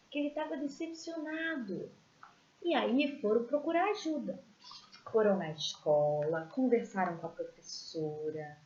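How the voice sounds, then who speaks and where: Woman, children's teacher, gentle storytelling, expressive, fairly high voice, roomy echo. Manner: gentle and expressive, pointing at pictures. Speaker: children's religious educator. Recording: echoey room, dull lo-fi sound.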